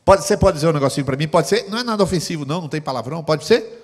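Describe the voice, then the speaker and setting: A male Brazilian pastor delivers an emphatic sermon, his high voice swinging widely in pitch. He preaches with sudden loud bursts. The sound rings out in a church hall with a long echo. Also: animated, rapid-fire. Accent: Brazilian Portuguese.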